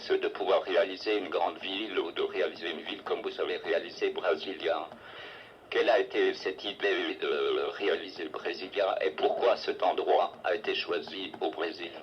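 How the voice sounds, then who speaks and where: A man's voice: low voice, fairly even intonation, normal speed. A man interviewing an architect, asking questions hesitantly with fillers. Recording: dull lo-fi 1980s tape with faint hiss.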